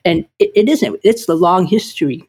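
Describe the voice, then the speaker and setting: A woman's voice: lowish voice, expressive, normal speed, darkish tone, slightly rough. A woman pastor with a Boston accent speaking frankly in a conversation, now and then quoting others with a wry edge. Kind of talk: conversation on a podcast.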